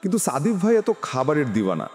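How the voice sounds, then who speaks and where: A man narrating a romantic story in the first person, expressive and animated. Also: on the high side, quick pace. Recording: reverberant with music behind.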